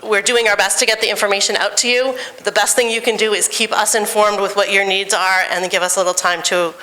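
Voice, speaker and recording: A woman organizer addressing a public meeting, explaining plans in a slightly halting, informative way. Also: mid-range voice, little pitch movement, sharp tone, low-quality recording. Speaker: event organizer.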